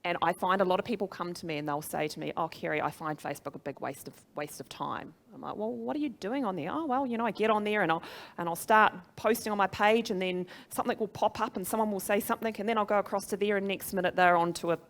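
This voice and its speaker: A woman's voice: mid-range voice, quick pace. A middle-aged woman with a New Zealand accent presenting to a live audience as a business trainer, conversational and emphatic, often putting questions to her listeners. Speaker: social media trainer and speaker.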